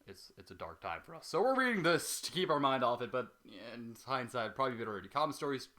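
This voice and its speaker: A man's voice: medium pitch, big pitch swings, fast talker, pushed and bright. A man hosting an amateur reading, moving between casual banter with some swearing and story narration. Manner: profane, joking. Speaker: host reading fan fiction aloud.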